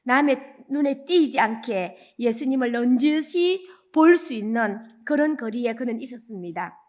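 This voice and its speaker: A woman evangelist with a Gyeongsang accent, preaching a dawn service sermon as animated storytelling. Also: a little high, normal speed. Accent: Gyeongsang Korean. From Gyeongsang region, South Korea. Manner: animated storytelling, acting out quoted lines.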